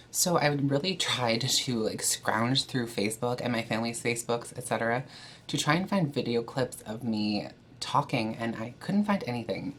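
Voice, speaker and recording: A woman's voice: very deep voice, a little hiss or hum. A young trans woman from Canada chatting casually to camera, with frequent fillers and an easy, candid manner. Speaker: vlogger.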